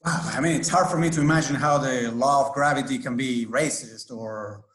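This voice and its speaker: A man's voice: mid-range voice, fairly quick, fairly bright tone, roomy sound, poor audio. A man from Venezuela interviewing a guest in conversation, skeptical and telling stories to make his point. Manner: skeptical, storytelling, laughs while questioning.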